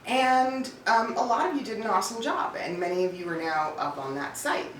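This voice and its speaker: A woman's voice: medium pitch, brisk, a bit bright. Woman doing a chatty advice vlog, talks right at you, emphatic, mic a bit far off, faint noise. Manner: chatty, emphatic, informal, addresses listeners directly. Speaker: host, voice-over coach and casting director. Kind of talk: scripted-feeling advice vlog to camera. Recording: roomy echo, distant mic, faint noise.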